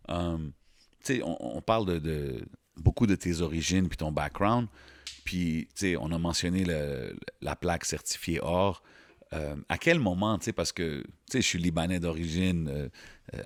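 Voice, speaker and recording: A man's voice: low-pitched, normal speed, dry recording. A man with a Montreal Quebec French accent co-hosting a podcast, chatting casually and agreeably with English words mixed in. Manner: agreeable, often affirms the guest. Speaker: podcast co-host, interviewer.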